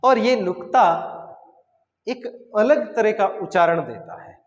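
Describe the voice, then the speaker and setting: A male Hindi grammar teacher giving a lesson, speaking slowly and deliberately and repeating sounds and words for pronunciation practice. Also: sits high, expressive, dull audio. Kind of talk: classroom-style grammar lesson. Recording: echoey room with long reverb.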